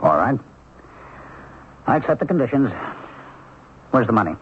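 An actor playing a skeptical, excitable police lieutenant in a radio drama. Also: male voice, mid-range voice, normal speed, phone-quality sound, lightly acted. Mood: businesslike. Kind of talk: old-time radio drama acting. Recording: band-limited, faintly noisy radio recording.

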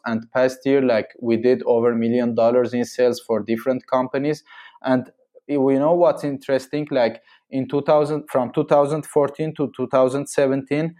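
Mellow man. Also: medium pitch. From Syria. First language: Armenian and Arabic. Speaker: podcast guest, marketing agency founder. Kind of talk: casual conversational interview answers.

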